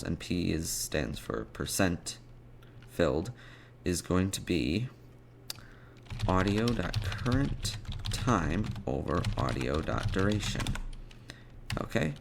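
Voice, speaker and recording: Deep, creaky-voiced man narrating a coding tutorial. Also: very animated. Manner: halting, thinking aloud while typing. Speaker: programming tutorial presenter. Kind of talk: casual step-by-step coding screencast narration. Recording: clear background noise, keyboard clicking and typing. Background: computer keyboard typing and clicks.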